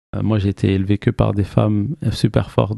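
In a plain, everyday voice, a man speaks at a fairly low pitch and a fairly slow pace with ordinary pitch variation, in a dry, close sound with no echo. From Paris, France. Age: 30s. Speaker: fashion designer. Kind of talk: interview. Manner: casual, many fillers.

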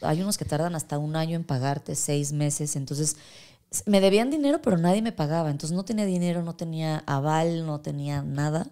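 A woman with a Mexican accent, very deep and low in pitch, at a fairly quick pace against a quiet background. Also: ordinary pitch variation. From Mexico. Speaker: comedian. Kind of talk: casual chat. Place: studio. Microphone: handheld.

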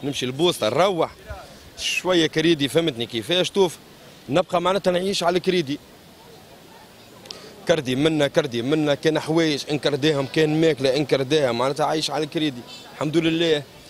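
A man at a fairly quick pace with ordinary pitch variation, the sound dry with no echo and light background noise behind it. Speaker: interviewee. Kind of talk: interview answer. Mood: resigned, patient, faith-framed. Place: street. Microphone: handheld.

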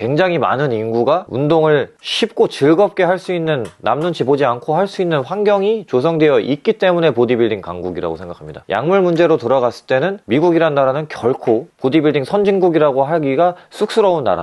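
The speech moves at a fairly quick pace with hardly any pauses against a quiet background. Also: man, fairly high pitch for a man. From South Korea. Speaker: bodybuilder and fitness youtuber; fitness youtuber. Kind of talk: talking-head video essay. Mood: calm, thoughtful. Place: studio. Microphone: lapel.

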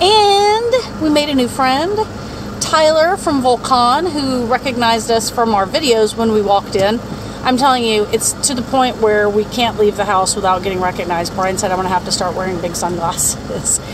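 Over noticeable background noise, a woman talks at a moderate pace in a dry sound with no echo. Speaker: travel vlogger. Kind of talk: casual vlog chat. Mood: relaxed, content. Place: car. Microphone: phone near.

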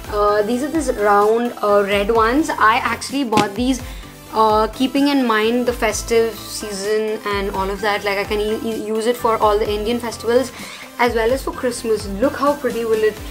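Clear music plays in the background as a woman talks with fairly even intonation. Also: moderate pace. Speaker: lifestyle vlogger. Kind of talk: casual haul vlog chat. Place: home room. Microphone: camera far.

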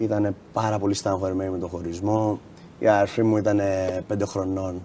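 A man with an English accent speaks at a moderate pace in a dark, mellow tone, with light background noise behind him. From US, New York (Queens); New York. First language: English (speaking Greek). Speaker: rapper; guest. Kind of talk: interview. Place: studio.

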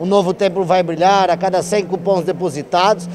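This man has a high voice and a fairly even intonation. He speaks at a moderate pace over light background noise. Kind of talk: interview answer. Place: shop.

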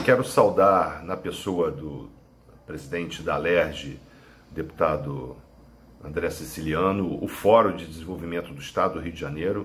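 A man with a very deep, low voice talks fairly slowly, with ordinary pitch variation, big swings in loudness, and light background noise. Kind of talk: formal greeting statement. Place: home room. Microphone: webcam.

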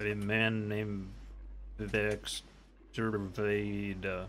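Clear background noise runs under a man's put-on character voice. He goes at a very slow pace, fairly low in pitch. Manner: flat, terse, mechanical.

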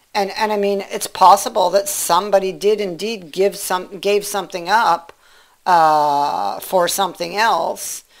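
The speaker goes at a fairly slow pace with ordinary pitch variation. The background is quiet. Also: woman. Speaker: tarot reader. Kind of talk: tarot reading commentary.

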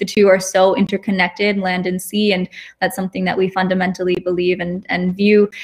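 Against a quiet background, a woman talks at a fairly quick pace with monotone, flat intonation. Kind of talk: presentation. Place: home room.

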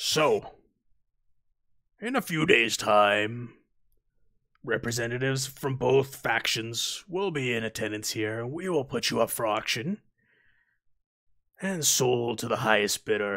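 Using a put-on character voice at medium pitch, a man speaks at a fairly slow pace with long, frequent pauses. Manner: theatrical, gloating, easily agitated.

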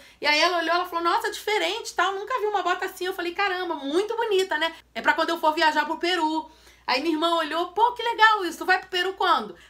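A woman speaks at a very fast pace with hardly any pauses, her extremely high pitch, bright, sharp tone and ordinary pitch variation carried in a raised, projected voice with an animated tone. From Brazil. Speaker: beauty vlogger. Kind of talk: unboxing video.

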